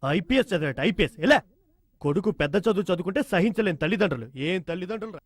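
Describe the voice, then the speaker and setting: A man's voice: high voice, lively intonation, slight background noise. An actor playing a talkative, teasing middle-aged uncle who mocks his brother-in-law. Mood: sarcastic. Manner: teasing, quick-talking, mocking asides. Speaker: maternal uncle in a family comedy scene. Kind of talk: film dialogue.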